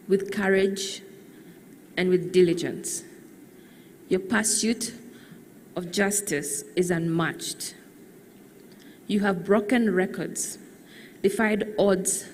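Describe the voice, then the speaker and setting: A woman reading a measured, earnest eulogy for her late father. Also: on the low side, a little mellow, in a large hall, a little hiss or hum. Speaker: daughter giving a eulogy. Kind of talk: read eulogy.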